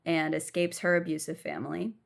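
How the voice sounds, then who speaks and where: A woman's voice: deep voice, fairly even intonation, a little fast, vocal fry. A young woman from the southern United States, telling her life story frankly while lying down as a podcast guest.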